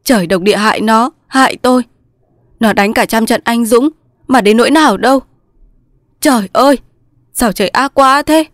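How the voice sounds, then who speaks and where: A woman's voice: on the high side, brisk, dry recording, clean studio sound, voice pushed up, close to an everyday voice. Woman voicing a frantic young soldier. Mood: grieving. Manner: pleading, sobbing outbursts. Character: young male resistance soldier, anguished and frantic. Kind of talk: storybook reading.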